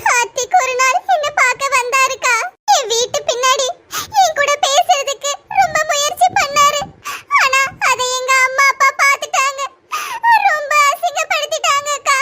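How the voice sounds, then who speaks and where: A woman's voice: extremely high pitch, steady tone, normal speed, background noise. A woman voicing a timid, tearful pregnant teenage girl in a cartoon, begging and pleading. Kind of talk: cartoon voice acting.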